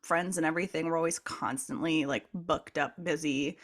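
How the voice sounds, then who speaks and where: A woman's voice: low voice, fairly even intonation, moderate pace. A woman co-hosting a casual chat podcast, playful and jokey, with frequent fillers. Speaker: podcast co-host.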